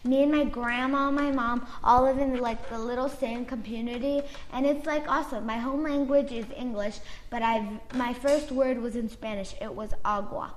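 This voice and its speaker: High-voiced chatty Florida woman. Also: fairly even intonation, moderate pace, hardly any pauses, a little hiss or hum. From Florida, United States. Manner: chatty, switches between English and Spanish, many "like"s. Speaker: co-host of a family chat. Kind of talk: casual chat.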